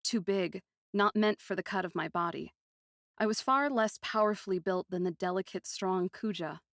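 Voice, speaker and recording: A woman narrates a story in the first person. Her mid-pitched voice is deliberate and poetic, often hushed and dramatic. The recording is close and very dry. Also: no room sound.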